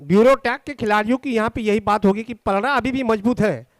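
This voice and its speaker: An Indian man gives live cricket commentary in a very high-pitched, smooth, clear voice at a fairly quick pace. Excited, he follows the play ball by ball and keeps restating the score, with clean studio sound and no room sound.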